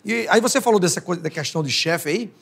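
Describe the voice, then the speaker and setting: A man in his forties hosting a TV talk show, joking and telling stories in an animated way. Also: high-pitched, fast, vocal fry, husky. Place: TV studio, indoors.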